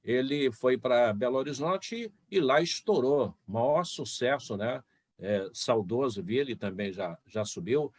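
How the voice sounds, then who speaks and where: Dry-sounding sports announcer telling stories. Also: male voice, mid-range voice, animated, unhurried, no room sound. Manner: storytelling, acts out gestures. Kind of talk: casual panel chat, anecdotes.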